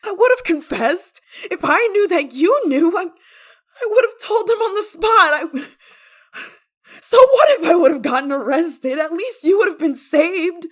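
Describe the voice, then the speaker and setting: A high-voiced woman acted by a female performer plays an obsessive yandere lover in an emotional audio roleplay. She is desperate and guilt-ridden, pleading in halting phrases that often stumble and stammer. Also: animated. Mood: anguished, frantic. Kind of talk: ASMR roleplay monologue, emotional acting.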